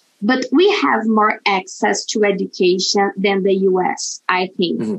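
A woman is speaking. She has a Brazilian accent. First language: Portuguese. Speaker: online course creator, ABA educator. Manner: halting.

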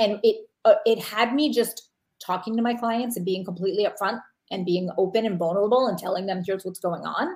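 A woman with an American accent, her medium-pitched, somewhat breathy voice moving at a fairly quick pace with ordinary pitch variation. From New York. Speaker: dog rescue advocate. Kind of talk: interview testimony. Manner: fast.

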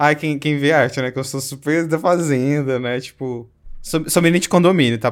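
A man with a Triângulo Mineiro accent speaks at a medium pitch and a fairly quick pace, with ordinary pitch variation and big swings in loudness. The recording is very clean, with a silent background. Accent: Triângulo Mineiro accent, close to Goiás. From Brazil, Triângulo Mineiro (Uberaba, Minas Gerais). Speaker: podcast host, psychologist. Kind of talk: casual chat.

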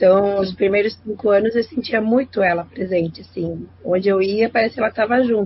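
A woman speaks at a fairly quick pace with hardly any pauses. Her medium-pitched voice is somewhat breathy, with fairly even intonation. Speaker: nurse. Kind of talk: personal testimony in casual chat.

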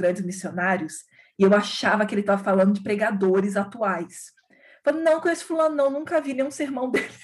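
A woman with a plain, everyday voice speaks at a medium pitch and a fairly quick pace. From Brazil, Rio de Janeiro. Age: 30s. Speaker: missionary. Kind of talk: casual chat.

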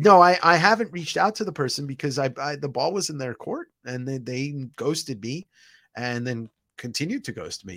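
With an American accent and an unremarkable speaking voice, this speaker uses lively intonation and big swings in loudness at a moderate pace on a very clean recording with a silent background. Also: man, fairly high pitch for a man. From New York. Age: 40s. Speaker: podcast co-host and comics YouTuber. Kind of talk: casual chat.

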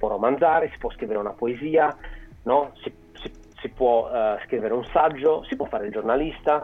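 The speech moves at a moderate pace with ordinary pitch variation, big swings in loudness and long, frequent pauses over noticeable background noise. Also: man, fairly high pitch for a man. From Sardinia, Macomer. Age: 40s. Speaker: photographer. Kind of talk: interview. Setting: live stream. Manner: halting.

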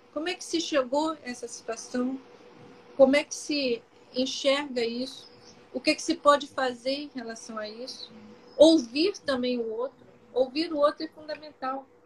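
High-pitched female voice with fairly even intonation and big swings in loudness. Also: moderate pace. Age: 60s. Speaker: psychologist, writer and speaker. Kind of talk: podcast interview.

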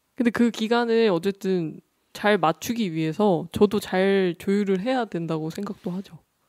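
The pace is moderate, with ordinary pitch variation. The recording is very clean and dry, close with no echo, over a silent background. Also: woman, medium pitch for a woman. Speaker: studio manager. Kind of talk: casual chat. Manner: trails off, hesitant.

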